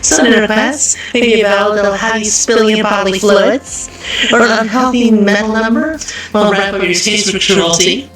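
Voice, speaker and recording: A man voicing a teenage girl idol in a high, squeaky chipmunk voice for a fan voice-over of game dialogue. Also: fairly even intonation, moderate pace, fairly bright tone, recorded from a distance. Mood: chirpy. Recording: roomy echo, off-mic, music behind.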